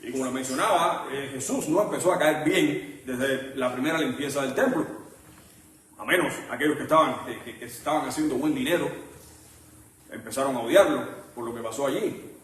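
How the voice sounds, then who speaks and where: Puerto Rican preacher in an echoing hall. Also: male voice, mid-range voice, fairly bright tone, a little hiss or hum. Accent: Puerto Rican Spanish. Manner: measured, with frequent pauses and restarts. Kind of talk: sermon. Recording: echoey hall, mic at a distance.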